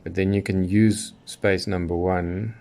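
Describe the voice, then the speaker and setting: A man's voice: sits low, fairly even intonation, a little slow, a little mellow. A middle-aged man giving an unscripted, methodical hands-on product demonstration, explaining each step as he goes. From Southern Africa. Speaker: shortwave radio hobbyist presenting a tutorial.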